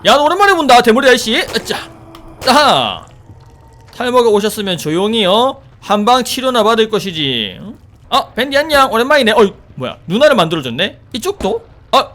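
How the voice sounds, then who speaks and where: A man giving joking let's-play commentary on a horror game, animated and easily startled, shouting in surprise. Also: sits high. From South Korea. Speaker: gaming streamer.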